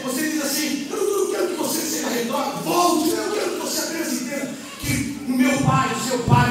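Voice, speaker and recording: A Brazilian pastor with a strikingly high voice preaches with animated energy, getting the crowd to repeat after him. He sounds far from the mic, his words ringing through a big echoey church hall. The congregation can be heard around him. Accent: Brazilian Portuguese. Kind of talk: sermon.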